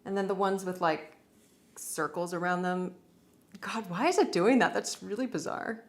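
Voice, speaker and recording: A woman hosting a casual livestream, explaining work progress in an informal, halting way as she thinks aloud. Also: mid-range voice. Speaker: livestream host and music arranger. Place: warm indoor room. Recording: roomy echo, clear background noise.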